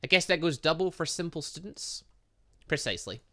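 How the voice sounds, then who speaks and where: A man's voice: a little high, fairly even intonation, a little fast, a bit bright. A man doing let's-play commentary, reading visual novel dialogue aloud with jokey asides and frequent stumbles. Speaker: gaming video host.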